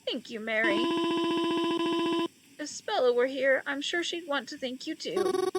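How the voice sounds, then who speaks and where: A woman voicing a slow, grieving old mother. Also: high voice, animated, loud music behind the voice. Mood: grateful. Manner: slow, tearful, gentle. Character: grieving elderly mother at her daughter's funeral. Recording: loud background noise.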